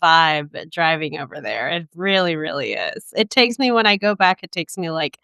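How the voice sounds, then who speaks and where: Attorney guest, young woman from the Dominican Republic, lower, very clear voice, dry sound. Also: lively intonation, pushed and bright, no echo. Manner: measured, explanatory, with frequent ums. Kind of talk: interview answers.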